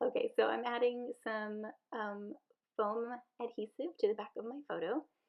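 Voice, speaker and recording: Soft-spoken and fairly high in pitch, a woman talks at a moderate pace with ordinary pitch variation and long, frequent pauses. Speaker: scrapbooking crafter. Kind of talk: craft tutorial narration.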